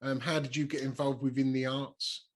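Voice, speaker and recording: Man at a middling pitch, arts interview host, reflective, musing, short questions. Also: little pitch movement, normal speed. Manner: reflective, musing, brief backchannels. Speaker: podcast host.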